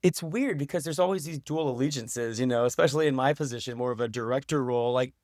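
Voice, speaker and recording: A man's voice: medium pitch, fast, darkish tone, no room sound, clean studio sound. An American man talking as an interview guest, telling stories conversationally in an earnest, explanatory way with emphatic repetition. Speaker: podcast guest, documentary director.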